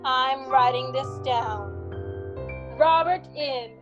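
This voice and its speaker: A woman plays a fanatical vigilante judge in a radio drama, pitched high and set over music. The delivery is grandiose and deliberate, preaching with cold, murderous righteousness. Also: lo-fi sound. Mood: menacing, triumphant.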